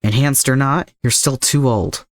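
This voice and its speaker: A man voicing a defiant, indignant young male hero in an audiobook-style story, blunt and quick-tongued. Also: medium pitch, dry recording, studio quality, voice pushed up, lightly acted. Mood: taunting.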